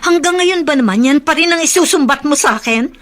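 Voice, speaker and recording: A woman's voice: sits high, animated, a little fast. A woman playing a poor young wife in a radio drama, firm and indignant as she defends herself. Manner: firm and indignant, hushed worried murmurs when alone.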